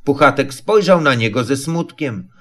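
A man narrating a children's storybook in a calm, measured way. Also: mid-range voice. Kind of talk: storybook reading.

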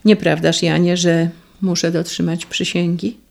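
A woman's voice: lowish voice, flat delivery, unhurried, creaky, darkish tone. A reader voicing an urgent young noblewoman. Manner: urgent, pleading. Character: young noble woman, devoted and tearful. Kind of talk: audiobook reading.

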